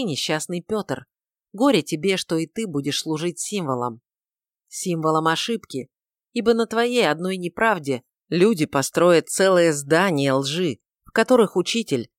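A woman reading aloud and voicing a gentle, wise older male teacher who speaks softly and in a measured, admonishing way. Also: sits low, dry recording, clean studio sound. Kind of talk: audiobook reading of a dramatic novel.

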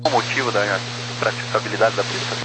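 A man's voice: on the low side, quick pace. A man working as an airline pilot, making clipped, procedural calls over crackly aircraft radio. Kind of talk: aviation radio communication. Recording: noisy, humming air traffic radio.

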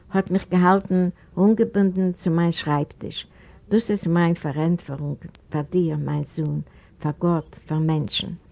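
A woman's voice: on the low side, mellow. A woman voicing an elderly widowed father in an audiobook, speaking with remorse and guilt. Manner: remorseful, pleading. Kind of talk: audiobook character voice.

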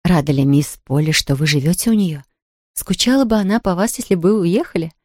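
A woman's voice: lowish voice, fairly quick, a little mellow, dry recording, studio quality, lightly acted. A woman voicing a blunt, fussy household maid in an audiobook, in a scolding, matter-of-fact manner. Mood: fervent. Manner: blunt and scolding, then fervent. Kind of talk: audiobook character reading.

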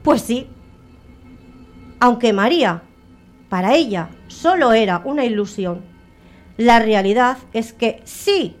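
A woman tells a story with an expressive, dramatic delivery. Her voice sits fairly high. Faint music plays behind her. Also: slow pace, pauses often. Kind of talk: narrated story.

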